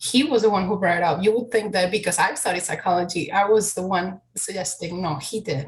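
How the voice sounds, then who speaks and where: A woman with a somewhat breathy, medium-pitched voice talks at a fairly quick pace with hardly any pauses and ordinary pitch variation. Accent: Spanish. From Venezuela. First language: Spanish. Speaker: immigrant interviewee. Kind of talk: interview.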